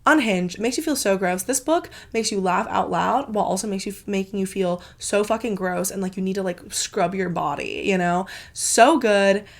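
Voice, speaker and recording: A woman's voice: mid-range voice, normal speed, few pauses. A congested woman hosting her book channel, gushing in a casual, filler-heavy review with plenty of swearing.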